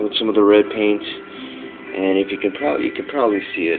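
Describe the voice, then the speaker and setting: Music plays behind a man's voice. His intonation stays fairly even. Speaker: hobbyist model builder. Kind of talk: casual talk to camera.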